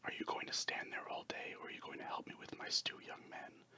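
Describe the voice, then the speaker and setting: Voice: fairly quick, close to an everyday voice. A storyteller voicing a small, stooped, chatty old man who mutters and rambles, in a whispered role-play for a story. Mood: chatty, brisk.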